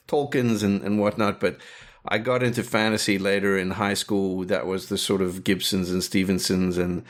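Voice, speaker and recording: A middle-aged man from South Africa, a director talking casually in an interview, rambling with many restarts and fillers. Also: sits low. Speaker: guest, director and animator.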